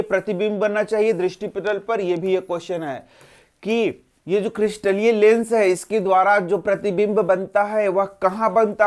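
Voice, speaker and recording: A male teacher running an exam-prep lesson, posing questions to the students, answering them himself and repeating each answer. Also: sits high. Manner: role-plays a tired student's interruptions.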